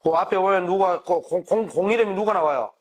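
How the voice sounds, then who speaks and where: A brisk, high-pitched middle-aged professor from Gyeongsang, Korea, speaks with the region's accent during a classroom lecture. He talks conversationally, putting questions to his audience and then answering them.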